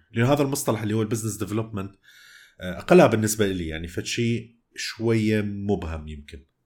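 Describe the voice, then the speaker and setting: A man talks in a normal speaking voice at a fairly low pitch and fairly quick pace, with ordinary pitch variation and big swings in loudness. The recording is very clean with a silent background. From Iraq. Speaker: podcast host. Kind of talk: casual interview.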